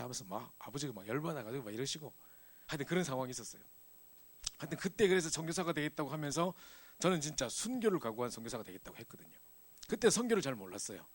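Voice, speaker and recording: A middle-aged man preaching to a church youth group, telling a personal story in a lively, animated way. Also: medium pitch. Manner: animated storytelling, acts out scenes. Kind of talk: sermon with personal testimony.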